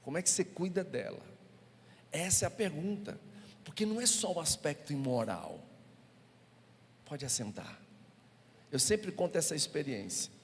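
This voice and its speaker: A man's voice: on the high side, very animated, normal speed, vocal fry, long pauses, slight background noise. A male pastor with a Brazilian Portuguese accent, preaching a sermon and telling humorous stories to the congregation. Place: church hall. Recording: reverberant church hall.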